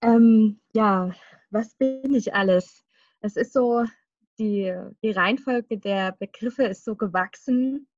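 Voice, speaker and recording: A woman's voice: on the high side, slow pace, darkish tone, no echo, highs cut off, faint music behind. A woman in her thirties, a guest in a casual podcast interview, talking chattily with frequent laughs and fillers. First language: German. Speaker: guest, singer and children's author.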